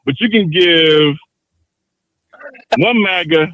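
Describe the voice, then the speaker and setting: A man's voice: on the high side, slow pace, a bit bright, no echo, rough recording. A man in his fifties calling into a live show, arguing insistently and repeating the same points again and again. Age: 50s. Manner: insistent, repeats himself over and over. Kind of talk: heated call-in debate.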